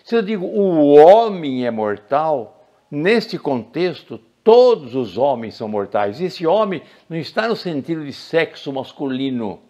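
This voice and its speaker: An older man from Brazil teaching Portuguese grammar in a recorded lecture, deliberate and didactic, stressing key words. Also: fairly high pitch, big pitch swings, dark tone.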